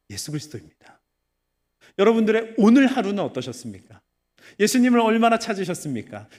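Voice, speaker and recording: A man's voice: on the high side, darkish tone. Earnest male pastor preaching in a reverberant hall. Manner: earnest, preaching with rhetorical questions to the congregation. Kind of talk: sermon. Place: church sanctuary.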